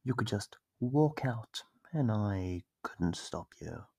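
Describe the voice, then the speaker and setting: A sadistic monster played by a man toys with its captive in an ASMR roleplay. The voice is very low and gravelly, recorded dry and close. It taunts slowly and politely, often sinking toward a whisper. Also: animated, warm tone, no echo, heavily acted. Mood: mock surprise. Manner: slow, taunting, menacingly polite. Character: sadistic playful male monster toying with captive prey. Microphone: close, dry microphone.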